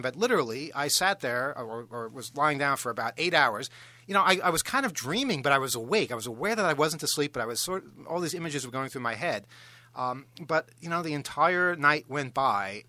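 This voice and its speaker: A man hosting a radio talk show, telling a long self-deprecating story in a halting, rambling way. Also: mid-range voice, pushed and bright, dry recording. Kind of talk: casual on-air storytelling.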